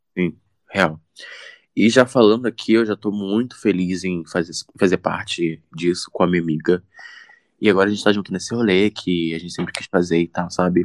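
A man speaks at a moderate pace in a very deep, low voice with fairly even intonation, recorded with a dry, close sound and no echo against a quiet background. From Brazil, Rio de Janeiro (Baixada Fluminense, Nova Iguaçu). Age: 20s. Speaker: podcast co-host. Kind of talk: casual chat.

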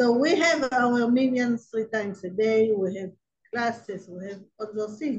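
A woman's fairly high, somewhat breathy voice at a fairly slow pace, with ordinary pitch variation and big swings in loudness. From Israel. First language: Hebrew. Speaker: rabbi's wife and community leader. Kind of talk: interview. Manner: halting.

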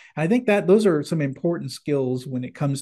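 A man's somewhat breathy voice with a dark, mellow tone against a quiet background. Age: 50s. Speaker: manufacturing business owner and leadership author. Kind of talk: interview. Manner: halting, with filler words and repetitions.

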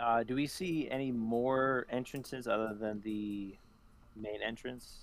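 A man with a plain, everyday voice, medium pitch and fairly even intonation at a fairly slow pace. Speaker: tabletop game player. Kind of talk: tabletop role-play game session.

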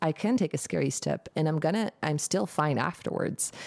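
A woman with a Dutch accent speaks with lively intonation, the sound dry and close with no echo. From Netherlands. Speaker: Tantra teacher and podcast host. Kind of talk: solo personal storytelling monologue.

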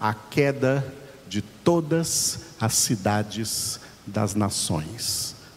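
The speaker is a man with a medium pitch. Noticeable background noise can be heard. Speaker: pastor. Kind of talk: sermon.

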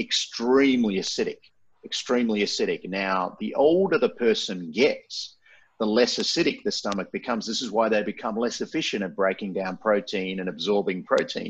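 A man with an Australian accent talks over a quiet background. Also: moderate pace. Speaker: gastroenterologist. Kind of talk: interview discussion. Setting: video call.

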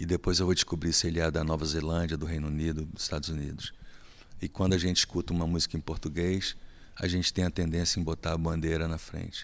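A man speaks very fast in a very deep, low voice with a monotone, flat delivery. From Brazil, Brasília. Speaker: singer-songwriter. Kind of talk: interview. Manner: hesitant, repeats words.

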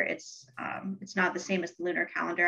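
With an American accent, a woman uses a medium pitch and monotone, flat intonation. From United States. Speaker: business student. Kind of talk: interview.

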